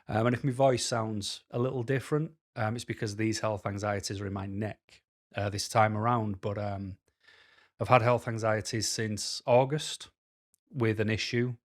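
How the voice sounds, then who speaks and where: Slightly hoarse man, rambling and frank. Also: fairly low pitch. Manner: rambling, frank, with many ums. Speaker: vlogger. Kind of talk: casual talk to camera. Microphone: camera mic.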